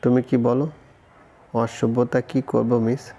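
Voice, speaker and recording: A man reading the lines of a teasing, arrogant young hero in a romance audio story, slow and flat in a gravelly voice. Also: mid-range voice, soft background music.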